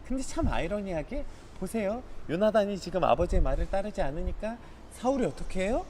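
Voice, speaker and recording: A man's voice: sits high, big pitch swings, a little fast, darkish tone. Man teaching scripture over traffic noise. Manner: conversational teaching with frequent filler words. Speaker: Bible study leader. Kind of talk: live morning Bible study, reading scripture and explaining.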